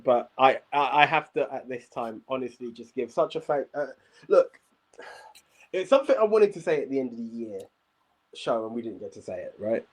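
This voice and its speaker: A man's voice: medium pitch, lively intonation, normal speed. A man hosting a wrestling review show, speaking emphatically and repeating himself for emphasis. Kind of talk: casual podcast chat.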